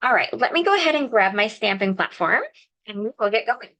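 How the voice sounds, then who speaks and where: Animated and brisk, this woman speaks in a bright, forceful mid-range voice while running a casual live card-making demo. She addresses her viewers by name, explains as she goes, and sniffles slightly from a cold.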